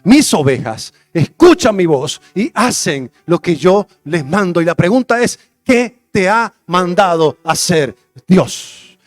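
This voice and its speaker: A male pastor preaching with passion, swinging between loud declarations and hushed, prayerful asides. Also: high voice, animated, takes it slowly, faint music behind. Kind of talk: sermon.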